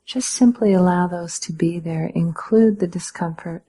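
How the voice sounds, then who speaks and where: This is a meditation teacher, a woman whose voice runs low with a breathy, slightly husky texture. Her guidance is calm and measured, broken by gentle pauses.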